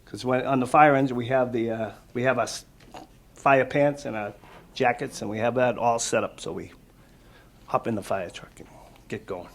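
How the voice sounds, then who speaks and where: A man with a mid-range voice, at normal speed, acts as a firefighter while reading a picture book to a handful of children, with informal asides and plain explanations. The live recording of the room is noisy.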